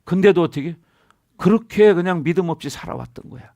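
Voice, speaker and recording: Middle-aged pastor guy preaching, high voice, keeps calling out to the church for amens, dry close sound. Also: lively intonation, fairly quick, mellow, dry recording, highs cut off. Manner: preaching with call-and-response to the congregation. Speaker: senior pastor. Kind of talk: sermon. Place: church sanctuary.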